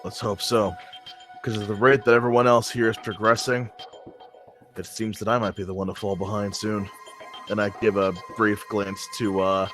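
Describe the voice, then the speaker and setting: Hesitant low-voiced man player. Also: level tone, normal speed, fairly bright tone, faint music behind. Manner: hesitant, self-deprecating, many fillers. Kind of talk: in-character tabletop role-play.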